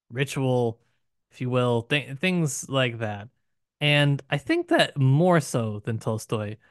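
A man co-hosting a podcast, talking through a book casually with emphatic, deliberate phrasing broken by pauses. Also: mid-range voice, no echo, studio quality. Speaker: podcast co-host.

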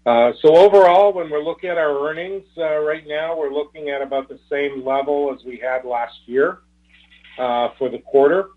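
A man speaking as a company executive on an earnings call, in a halting, hesitant way with repeated words. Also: a little high. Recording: tinny narrow phone-line conference call.

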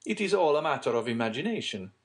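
Male narrator as a suave storybook count, raised swooping pitch, dramatic, deliberate, darkly suggestive. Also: sing-song, lightly acted. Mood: smoothly suggestive. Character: suave, theatrical middle-aged count, darkly insinuating.

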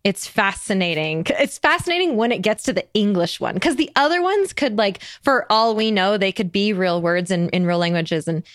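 A woman's voice: medium pitch, expressive, moderate pace, few pauses, no echo, clean studio sound. A woman hosting a podcast, chatting in a bubbly way with lots of fillers. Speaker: podcast host. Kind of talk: casual conversation.

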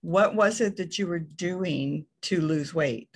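A woman hosting a podcast, chatting casually and chiming in with quick reactions. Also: lowish voice, husky. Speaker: podcast host.

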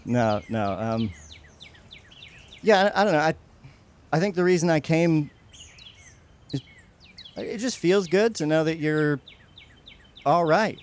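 An actor playing a joking, self-deprecating young church camper in an audio drama, casual and prone to restarts. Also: male voice, a little high, lively intonation, takes it slowly, pauses often. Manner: casual, jokey, stammering slightly over restarts. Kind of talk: naturalistic audio drama dialogue.

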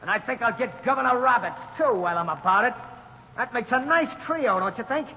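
An actor playing a vengeful, taunting condemned gangster in an old radio drama. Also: male voice, very high-pitched, expressive, a little fast, vocal fry, sharp tone, exaggerated voice. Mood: menacing. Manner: taunting, menacing threats. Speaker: condemned prisoner Ralph Gorman. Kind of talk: 1930s radio drama acting. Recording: dull old radio recording with hiss and echo.

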